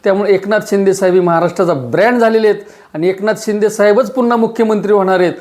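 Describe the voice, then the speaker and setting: A middle-aged man, a local party leader giving a forceful, repetitive press statement. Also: sits high, racing.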